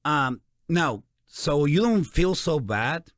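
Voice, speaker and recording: A man's voice: a little high, slow, no room sound, clean studio sound. Peruvian-accented man hosting an interview. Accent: Peruvian Spanish. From Peru. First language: Spanish. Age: 40s. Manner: animated, encouraging, philosophizing. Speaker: interview host. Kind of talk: casual interview.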